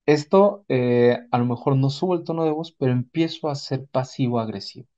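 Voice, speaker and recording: A man's voice: mid-range voice, normal speed, warm tone, muffled recording. A man with a Mexican accent giving an explanatory talk as a psychotherapist, in a didactic manner, often checking in with short rhetorical questions. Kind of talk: explanatory talk with acted examples.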